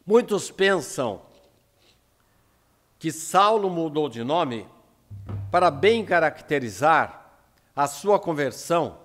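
A Brazilian man in his seventies giving a prepared religious lecture in Portuguese with deliberate, emphatic pauses at a lectern microphone. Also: on the high side, big pitch swings, a bit bright, faint music behind. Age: 70s. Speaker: lecturer at a Spiritist centre. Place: indoor lecture room at a lectern. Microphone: gooseneck lectern microphone. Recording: echoing hall with long reverb.

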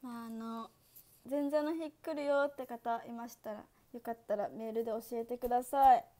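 A woman's voice: a little high, fairly even intonation, moderate pace, dark tone. A young woman hosting a casual livestream, chatting with viewers and reading their comments, giggling often. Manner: giggly, bubbly, laughs often. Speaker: idol livestream host.

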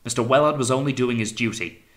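A man's voice: mid-range voice, quick pace, voice pushed up, natural voice. A man voicing a dutiful, stiffly correct young naval officer in an audiobook, respectful, clipped and restrained. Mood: firm, respectful.

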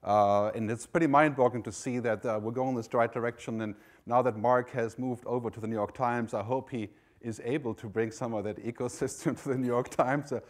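A man from Germany speaks from the stage of a large hall, giving a keynote at an ordinary middle pitch. He keeps it conversational, dropping in "you know" and "right?" as he goes. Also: steady tone, brisk, few pauses. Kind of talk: conference keynote talk.

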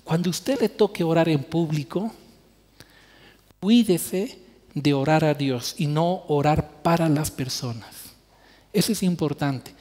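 A man's voice: a little high, slow, pauses often, darkish tone. A man preaching a sermon as pastor, earnest, stretching key words for emphasis. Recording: church hall reverb.

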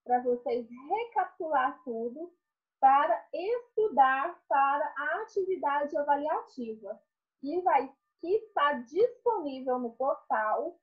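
This high-pitched teacher speaks with lively intonation as she reviews a lesson for her primary school pupils online, slowly asking questions before answering them herself. The sound is lo-fi.

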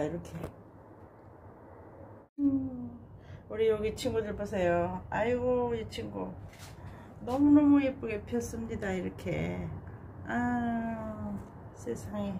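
A woman's voice: mid-range voice, slight background noise. Gushing woman showing off her balcony flowers. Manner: gushing and admiring, with soft sighs. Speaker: gardening vlogger. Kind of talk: casual narration while showing plants. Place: home balcony garden.

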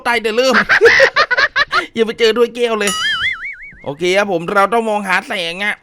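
A man's voice: high-pitched, fairly even intonation, brisk, heavy background noise. A man hosting a horror-game let's play, chatting politely with viewers and often exclaiming and laughing. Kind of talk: casual horror-game commentary.

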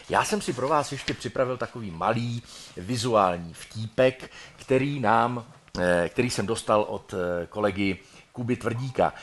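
A man's voice: fairly low pitch, a little hiss or hum. A man, an actor, hosting a playful live stream from a theatre, chatty and hesitant, with many fillers. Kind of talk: casual live-stream chat.

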